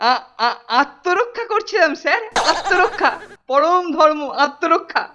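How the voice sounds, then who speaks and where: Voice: extremely high pitch, animated, moderate pace, background noise. A performer voicing a boastful, teasing teenage senior schoolboy bully in a Bengali cartoon. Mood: panicked. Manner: taunting, boastful. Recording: music behind the voice.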